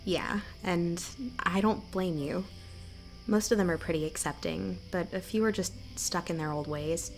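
Audio drama supporting role, female actor: frank small-town woman, slightly low, apologetic, light music underneath. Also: measured pace. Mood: wry. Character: candid, apologetic local woman with secrets.

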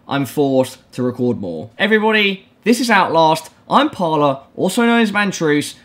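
A man's voice: fairly high pitch, a bit bright. A young man giving scared, reactive horror game commentary, nervously pleading and repeating himself, often with dry jokes. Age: young adult. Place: small home room.

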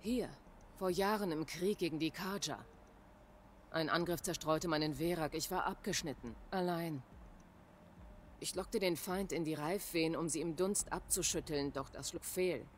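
A woman's voice: low voice, a little hiss or hum. A woman playing a devout middle-aged tribal shaman in a video game, speaking in grave, formal, dramatic phrases.

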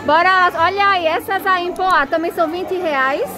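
A woman, chatting excitedly as she films herself walking through an outdoor clothing market and asking sellers for prices. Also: extremely high pitch, moderate pace. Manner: gushing, chatty, repeats "minha gente". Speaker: shopping vlogger. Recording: crowd noise behind. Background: busy market crowd.

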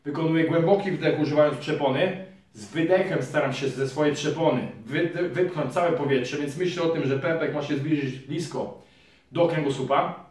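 A man in his thirties, a physiotherapist and trainer, calmly explaining a fitness exercise to viewers, recorded by a camera across a small room. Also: on the high side, normal speed, recorded from a distance. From Poland. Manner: calm, explanatory, addresses viewers directly. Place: small room in front of a curtain. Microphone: camera mic from across the room. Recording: very echoey room, voice from afar.

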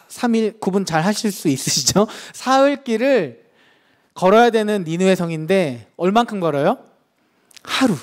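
Lively high-voiced Korean pastor preaching. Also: male voice. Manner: lively storytelling, acts out quoted voices. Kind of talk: sermon.

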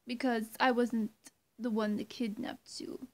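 Young woman as slow, two-faced vampire woman. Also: on the high side, little pitch movement, lightly acted. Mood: coaxing, wary. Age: young adult. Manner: halting, teasing threats with long pauses, often dropping to breathy near-whisper. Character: menacing, two-faced female vampire, sweet then threatening. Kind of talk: roleplay addressed to the listener. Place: small room at home, indoors.

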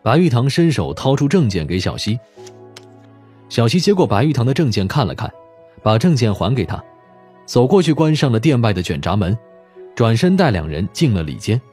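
Male audiobook narrator, lively pitch movement, scripted storytelling, faint music behind. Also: normal speed, breathy edge.

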